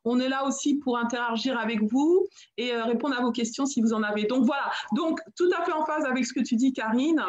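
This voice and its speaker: Lively French woman hosting a live chat. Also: fairly high pitch, brisk, few pauses, muffled recording. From France. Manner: lively, encouraging, mixes in English phrases. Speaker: host. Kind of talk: live chat show interview.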